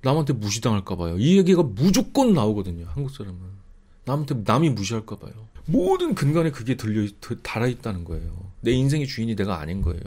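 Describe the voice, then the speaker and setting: A man's voice: medium pitch, quick pace. A middle-aged man giving impassioned advice to his viewers, scolding them and mocking their complaints in whiny quoted voices. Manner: animated, mock-quoting others in whiny voices, scolding. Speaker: video creator answering viewer comments.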